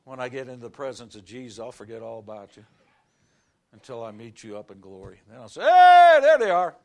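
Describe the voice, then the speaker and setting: A middle-aged male pastor preaching a sermon in a folksy, animated way, shouting on key words and telling everyday stories. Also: fairly low pitch, fast talker.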